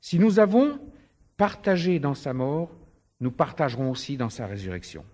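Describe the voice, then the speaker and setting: A man's voice: mid-range voice, very animated, normal speed, mellow. A man preaching and explaining scripture in an emphatic way, repeating his key points. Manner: emphatic, explanatory, rhetorical repetition. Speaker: Christian preacher and speaker. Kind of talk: sermon, teaching from scripture.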